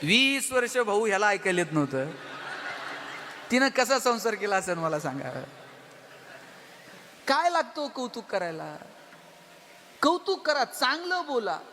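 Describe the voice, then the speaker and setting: A man giving an animated motivational stage speech, telling humorous stories and speaking straight to the audience. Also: high voice, measured pace, pauses often, background noise. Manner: animated, addresses the audience directly. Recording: long hall reverb with faint music.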